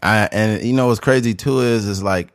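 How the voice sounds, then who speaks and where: A man's voice: fairly low pitch, moderate pace, no room sound, studio quality. A man co-hosting a podcast in casual chat, talking loosely and rambling with lots of filler words. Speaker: podcast co-host.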